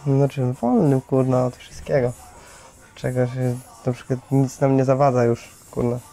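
A young man answering casually with mild swearing, halting as he searches for words. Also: mid-range voice, dark tone.

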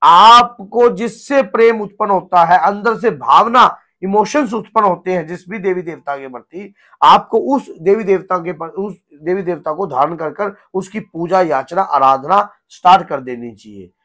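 A hoarse man in his thirties, a spiritual guru giving an earnest devotional teaching talk at home. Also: high-pitched, normal speed, pushed and bright. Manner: earnest, gesturing, repeats himself. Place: home room with a shrine, indoors.

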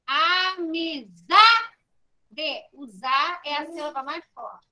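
A Brazilian woman teaching a children's video lesson in a high, bright voice. She talks slowly and patiently and spells out syllables letter by letter. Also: poor audio. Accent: Brazilian Portuguese.

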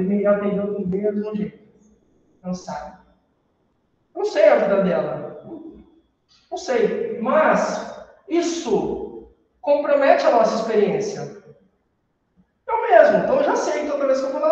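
Brazilian male teacher, high voice, animated storyteller, distant mic, roomy echo, dull sound. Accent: Brazilian Portuguese. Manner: animated storytelling, acts out customers and clerks. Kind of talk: classroom lecture on customer service. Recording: echoey room, far from the mic, dull sound.

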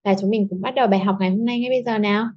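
A woman's voice: medium pitch, fairly even intonation, racing, dull audio. A young woman teaching a school English lesson online, explaining patiently step by step and often checking that her pupils follow. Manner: patient, explains step by step, asks "đúng không".

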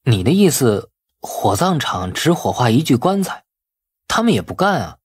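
Young nephew role, male narrator: eager, flustered, deferential, husky, very animated pitch, audiobook drama. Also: moderate pace. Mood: puzzled, worried. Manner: expressive, colloquial, exclaiming.

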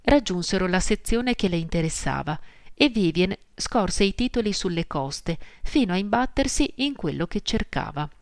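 A woman narrating an audiobook at a measured, even pace. Her voice is lowish and close to the mic, in a dry studio booth. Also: no echo. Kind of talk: scripted narration.

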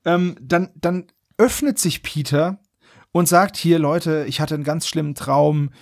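Casual male podcast host, slightly high-pitched, colloquial recapper with mock outrage, dry studio-like sound. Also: measured pace, no room sound. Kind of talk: casual chat, recapping and commenting on an audio drama.

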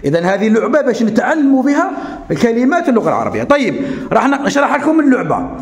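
Male primary teacher, Algerian accent, lively and high-pitched delivery in an echoey classroom. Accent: Algerian Arabic. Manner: animated, coaxing teacher voice, slow deliberate dictation. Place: school classroom.

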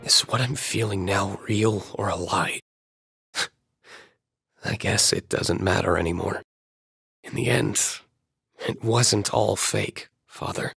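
An actor playing a reckless, thrill-seeking young man in a video game, emotional and sardonic, with a husky voice. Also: on the low side, slow pace, long pauses, fairly bright tone, dry recording, clean studio sound, heavily acted. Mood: resigned, wistful. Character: reckless thrill-seeking young man, betrayed creation pleading with his father. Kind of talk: dramatic video game voice acting.

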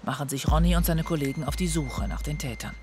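A man narrating a crime documentary in a calm, factual, scripted manner. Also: on the high side, fast talker, slight background noise. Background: music under the voice.

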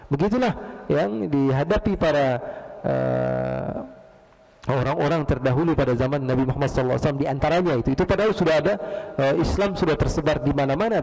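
Gravelly, animated preacher in a big mosque. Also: male voice, on the high side. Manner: animated, asks the audience questions. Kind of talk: storytelling sermon. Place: large mosque. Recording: long reverb of a large mosque hall.

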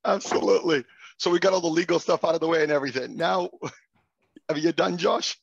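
A middle-aged man whose first language is Italian, hosting a guided conversation over a video call, animated and poking fun at himself. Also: fairly high pitch, a little fast, gravelly, husky, no room sound. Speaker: host. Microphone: webcam on a video call. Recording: dull lo-fi video call audio.

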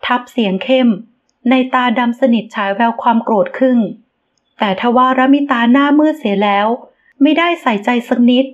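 Female audiobook narrator, higher voice, steady expressive read; dull recording. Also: normal speed. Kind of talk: storybook narration of a romance novel.

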